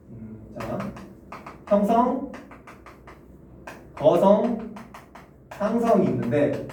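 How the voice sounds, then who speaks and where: A man's voice: a little high, dark tone. A male Korean language teacher giving a classroom lecture, asking students questions and chuckling often. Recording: roomy classroom echo, distant mic, faint hum.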